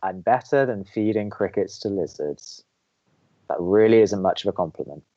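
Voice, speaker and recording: A man's voice: lowish voice, expressive, moderate pace, mellow, muffled recording. A man playing an awkward, wry young college radio co-host in an audio drama. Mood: dry, wry. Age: young adult. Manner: dry, exasperated, awkward.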